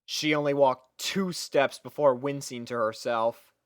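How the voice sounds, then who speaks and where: A woman's voice: a bass voice, steady tone, measured pace, clear, resonant tone, dry recording, clean studio sound. A woman reading a scripted story as its narrator, in storybook style. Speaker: fan fiction narrator.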